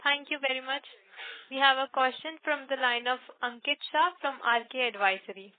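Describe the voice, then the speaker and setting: Lady call operator, high voice, formal announcements, tinny dry phone audio. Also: fairly even intonation, fairly quick, no echo. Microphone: phone conference line.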